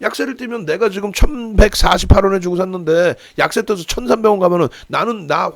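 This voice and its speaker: A middle-aged man hosting a stock market channel, lecturing on currency and stocks with rhetorical questions and a scolding, lively manner. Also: high voice, fairly quick, gravelly, no echo.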